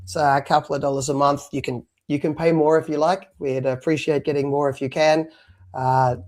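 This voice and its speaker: With a medium-pitched, slightly mellow voice, a man co-hosts a live stream podcast, rambling chattily with frequent fillers. Originally from abroad, he moved to Australia at three.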